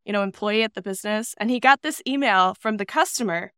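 A woman in her thirties from Iceland, a podcast guest telling stories about her career in a relaxed, chatty way over a video call. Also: medium pitch, quick pace, clean tone, no echo, studio quality. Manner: chatty, anecdotal, frequent "you know" fillers. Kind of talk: relaxed storytelling interview.

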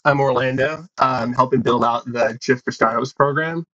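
A man from Chicago, a podcast guest, speaking in a relaxed, matter-of-fact way over dull, lo-fi audio. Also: medium pitch, normal speed, no room sound. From Chicago, United States. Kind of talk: casual self-introduction.

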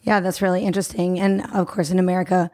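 A woman's voice: lowish voice, flat delivery, fast, dark tone. A woman hosting a podcast interview, conversational as she asks thoughtful questions. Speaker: podcast host.

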